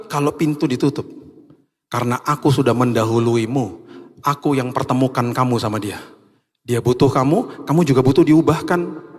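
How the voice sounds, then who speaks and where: A man voicing God, speaking calmly and reassuringly in a measured way. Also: medium pitch, slight background noise, natural voice.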